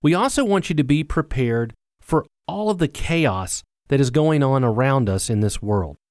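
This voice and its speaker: A man's voice: mid-range voice, animated, moderate pace, darkish tone, no echo, clean studio sound. A man hosting a Christian radio program, announcing in a friendly, scripted way. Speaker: radio ministry host.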